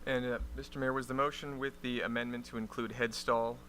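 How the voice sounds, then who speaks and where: Man reading an ordinance fast and flat. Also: mid-range voice, a little hiss or hum. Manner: rapid, even official reading. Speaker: city clerk. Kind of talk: formal reading of an ordinance title. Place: council chamber.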